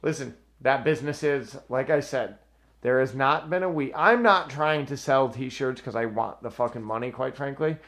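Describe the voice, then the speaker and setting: A man co-hosting a casual football podcast, telling stories and swearing freely, getting loud and excitable. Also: medium pitch, normal speed. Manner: profane, excitable, tells anecdotes. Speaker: podcast co-host. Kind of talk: casual sports chat.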